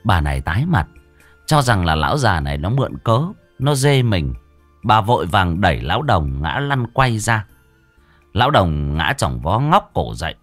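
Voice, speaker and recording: A man narrates a comic tale in a lively, colloquial way. His voice is low but moves a lot, with music playing faintly behind. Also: normal speed, no room sound. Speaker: storyteller. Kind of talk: comic storytelling.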